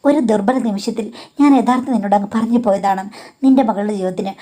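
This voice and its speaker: A woman's voice: mid-range voice, fast talker, mellow, close to an everyday voice. A woman voicing an older woman in the family who pleads urgently to keep a secret, in a near-everyday voice. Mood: pleading.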